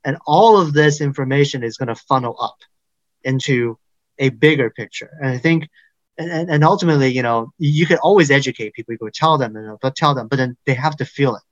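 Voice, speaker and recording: A man's voice: medium pitch, a little fast, no room sound, highs cut off. A man speaking as the expert guest in an interview, earnest and a little hesitant, repeating words as he thinks. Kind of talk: casual interview chat.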